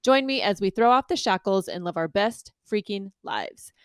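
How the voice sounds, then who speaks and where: A woman's voice: medium pitch, animated, moderate pace, dry recording, studio quality. A woman podcast co-host and empowerment coach giving an upbeat, scripted self-introduction.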